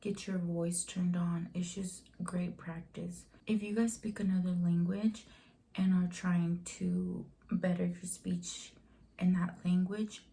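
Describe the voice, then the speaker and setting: A young woman with a Mexican accent who stutters, talking casually to her vlog camera in a soft, breathy voice. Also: fairly low pitch, little pitch movement. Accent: Mexican Spanish. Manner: stuttering, with short pauses and fillers. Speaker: vlogger.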